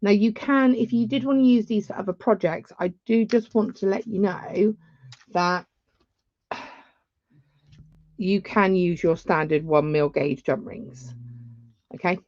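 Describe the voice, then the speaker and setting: A woman's voice: medium pitch, a little mellow, no echo, highs cut off. Chatty woman teaching beading. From England. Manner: chatty, rambling asides. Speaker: beading tutor. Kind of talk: live craft tutorial.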